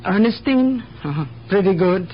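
A woman's voice: mid-range voice, animated, normal speed, close to an everyday voice. An actress in a radio drama playing a wary, world-weary immigrant woman with hesitant, plainspoken broken English. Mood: sympathetic, resigned. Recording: muffled, noisy old radio broadcast recording.

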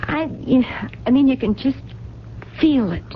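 A woman's voice: high voice, animated, measured pace. An actress with an American accent playing a lonely, stubborn romantic woman in a 1970s radio drama, earnest and hesitant in plain colloquial speech. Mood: wistful, earnest. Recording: dull, noisy 1970s radio broadcast recording.

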